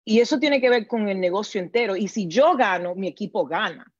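A woman's voice: mid-range voice, animated, brisk, husky, no room sound, lo-fi sound. A woman with a Dominican accent answering interview questions as a team coach, earnest and repetitive, mixing in English words. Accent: Dominican Spanish. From Dominican Republic.

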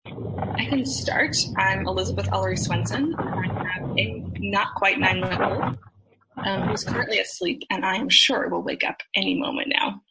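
A woman's voice: mid-range voice, normal speed, creaky, background noise. An American woman in her thirties hosting a casual group conversation, with informal, tentative phrasing. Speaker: host, moderator.

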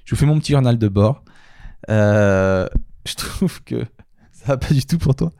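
A man's voice: medium pitch, animated, unhurried, vocal fry, dark tone, no echo, clean studio sound. A man co-hosting a couple's show in casual chat, playful and talking straight to his listeners. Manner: playful, addresses the audience directly.

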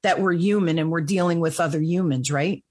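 A woman's voice: fairly low pitch, fairly quick, slightly rough. A woman in her late fifties with a New Jersey accent, hosting a casual interview chat and telling stories with goofy humor. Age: 50s. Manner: animated storyteller, goofy humor. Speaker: podcast host.

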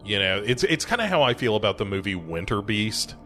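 A man with a fairly low voice co-hosting a podcast, earnest and emphatic as he talks. Faint music plays underneath. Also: big pitch swings, fairly quick, sharp tone. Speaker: podcast co-host. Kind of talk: casual chat about horror movies.

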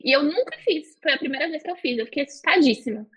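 A young woman, a guest, telling a personal story in a casual, animated interview. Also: sits high, fast, low-quality recording. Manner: animated, breathless retelling with gasps and laughter. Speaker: astrologer guest.

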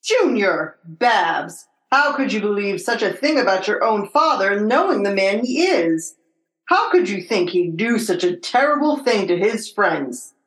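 A woman's voice: medium pitch, sing-song, measured pace, fairly bright tone, reverberant, rough recording. An actress playing a stern but tender working-class wife and mother, earnest and emphatic, in old-time radio comedy style. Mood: scolding.

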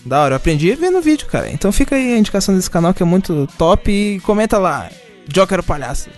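Higher-voiced young Brazilian man, slangy. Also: sing-song, fast, soft background music. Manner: slangy, informal. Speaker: podcast co-host. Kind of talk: casual podcast chat.

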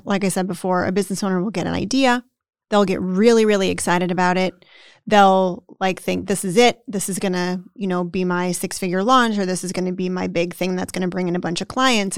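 A woman's voice: mid-range voice, clear, resonant tone, no echo, clean studio sound. A woman co-hosting a podcast in casual conversation, chatty, often tagging sentences with "right?" and acting out the self-talk of the people she describes. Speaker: podcast co-host.

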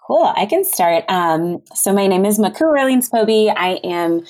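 A young woman from Northern Virginia, a guest on a talk show, chatting in a relaxed, hesitant way with many pauses and laughs. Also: medium pitch. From Northern Virginia, USA. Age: young adult. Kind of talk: casual chat.

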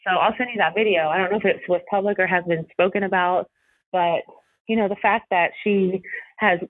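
A woman's voice: lowish voice, steady tone, a little fast, dry recording. A woman, a soccer coach and commentator, talking casually in an interview and rambling with many fillers. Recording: tinny phone line.

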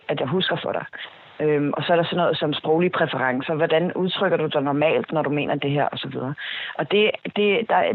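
A man's voice: a little high, narrow, tinny audio. A man giving long, hesitant explanatory answers in an interview, with many fillers and restarts. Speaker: interviewee, speech technology expert.

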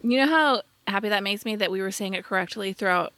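Bright, crisp-edged female podcast co-host, dry sound. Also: mid-range voice, quick pace, no echo. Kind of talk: casual chat, reading listener email aloud.

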